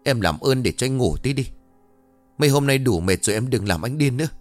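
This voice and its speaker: A man voicing a tired, short-tempered middle-aged husband in a spoken ghost story, talking in a gruff, exasperated way. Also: on the low side, lively intonation, normal speed, no echo, soft background music, close to an everyday voice. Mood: pleading, exasperated. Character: weary irritable middle-aged man, drinker.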